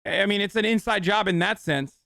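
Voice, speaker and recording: A man hosting a live stream, reacting to his chat with heated, profane rants. His voice sits high for a man and comes through smooth and clear. The sound is close and dry. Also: a little fast, sharp tone, no room sound. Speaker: streamer host.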